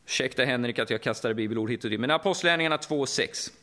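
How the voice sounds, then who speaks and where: Swedish preacher with a Västergötland accent. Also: male voice, mid-range voice. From Sweden, Västergötland. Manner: lively, conversational, often asks the audience. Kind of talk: sermon.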